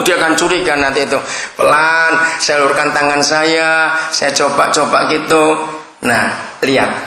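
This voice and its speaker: A man's voice: on the high side, bright, forceful tone. A man preaching a sermon, telling humorous stories and addressing his listeners directly. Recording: roomy echoing hall.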